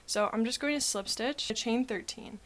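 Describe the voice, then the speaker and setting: A woman's voice: a little high, moderate pace, a bit bright. A woman, sounding sniffly and talking through a crochet tutorial in a chatty, rambling way full of fillers. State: sniffly with a cold. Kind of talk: casual spoken tutorial.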